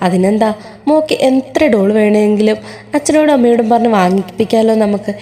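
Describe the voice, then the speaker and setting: A woman's voice: mid-range voice, animated, fairly quick, close to an everyday voice. Woman doing a soothing, caring grandmother. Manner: gentle, coaxing.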